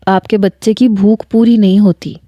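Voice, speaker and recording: A woman's voice: medium pitch, steady tone, dark tone, no echo, muffled recording, close to an everyday voice. A woman voicing a male doctor who gives matter-of-fact instructions. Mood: instructive.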